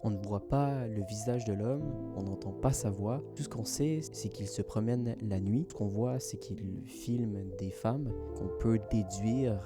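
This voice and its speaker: Male YouTube host, low register, scripted mystery narration over a clear music bed. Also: a little slow, hardly any pauses. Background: music under the voice.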